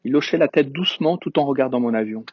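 A man reading a storybook aloud as a narrator, in a calm and measured way. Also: mid-range voice, slightly rough, no room sound. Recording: dull lo-fi recording.

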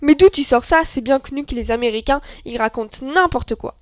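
A woman's voice: sits high, a little fast, no echo, studio quality. A young woman co-hosting a scripted debate show, matter-of-fact and teasing. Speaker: co-host.

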